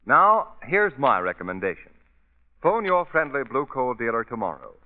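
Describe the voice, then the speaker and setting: A man's voice: medium pitch, big pitch swings, normal speed, close to an everyday voice. A man announcing a sponsor message in vintage 1940s radio style. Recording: tinny old radio sound.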